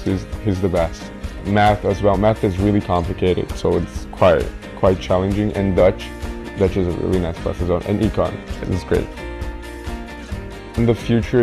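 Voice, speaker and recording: A young man, a native Portuguese speaker with a Brazilian accent, giving a student testimonial. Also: deep voice. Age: young adult. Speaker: international student. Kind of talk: promotional video testimonial. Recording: guitar music under the voice. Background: plucked guitar music.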